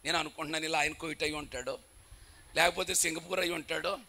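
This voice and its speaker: A man preaching a sermon, telling humorous stories and building to loud, emphatic declarations. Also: on the high side, steady tone, fast talker.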